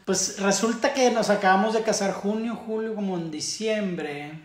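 A man's voice: high-pitched, normal speed. Laid-back joking Mexican man, echoey room. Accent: Mexican Spanish. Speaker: co-host, husband. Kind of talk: casual couple Q&A chat.

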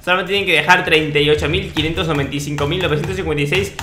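A man's voice: on the high side, fairly even intonation, rapid-fire, bright, forceful tone. A young man with a Peruvian Spanish accent giving casual, cocky, mock-boastful commentary on a video game. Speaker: gaming video host. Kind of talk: casual Minecraft gameplay commentary. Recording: roomy sound with faint background noise.

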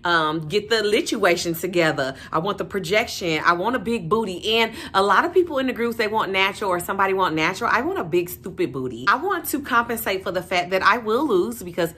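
A young woman vlogging casually to camera, slangy and animated, calling her viewers y'all and sis. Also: mid-range voice, fairly quick, hardly any pauses, breathy edge. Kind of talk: casual vlog chat to camera.

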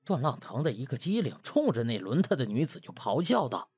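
A man's voice: medium pitch, very animated, a little fast, darkish tone, breathy edge, no room sound. A man narrating a comic web novel in a colloquial, theatrical storytelling style. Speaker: audiobook narrator.

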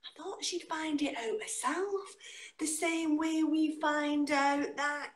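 A middle-aged woman with a Northern English accent joins a video call from a room in her home as a guest poet, performing spoken word and chatting. Her delivery is lively and dramatic, with sudden leaps in pitch, though she takes it slowly. The room sounds echoey.

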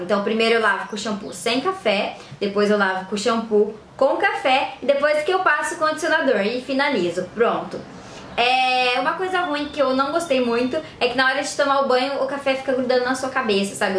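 A woman's voice: high-pitched, fairly bright tone, echoey room. A young woman chatting to her viewers in a casual beauty tutorial vlog, filmed indoors on a camera mic. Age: young adult. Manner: chatty, addresses viewers directly. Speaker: beauty vlogger. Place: room indoors, later a tiled kitchen.

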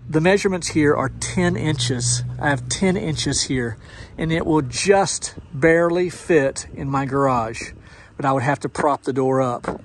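Out in a driveway, a middle-aged man who owns a pressure washing business gives a folksy, explanatory tour of his work trailer, using plenty of fillers. His voice is fairly high, and the body-worn action camera recording it picks up slight background noise.

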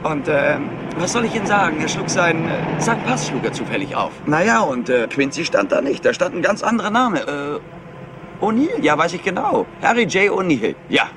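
Lively, glib, excitable young heir. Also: male voice, fairly high pitch, moderate pace, background noise. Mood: excited, glib. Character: clever, slightly overexcited nephew of a rich family. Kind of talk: German crime radio play acting.

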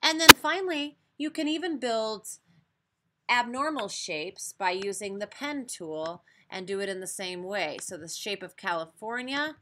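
An American woman teacher giving a spoken software tutorial for a webinar, explaining step by step. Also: medium pitch, lively intonation, a little slow. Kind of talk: spoken software tutorial over screen demonstration.

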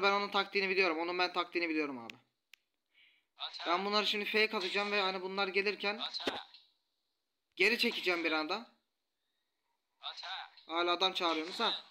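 A man commentating a mobile strategy game, taunting the enemy troops with rough slang. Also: high voice, brisk, pauses often. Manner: taunting, trash-talks enemies, rough slang. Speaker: gaming YouTuber. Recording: loud background noise.

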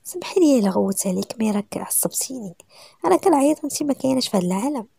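A stern, protective young husband in a Moroccan romance story, voiced by a woman narrator. He barks short commands, then turns soft and reassuring. The voice is gravelly and husky and sits close and dry. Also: on the high side, expressive, very fast, no echo, exaggerated voice. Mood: soothing.

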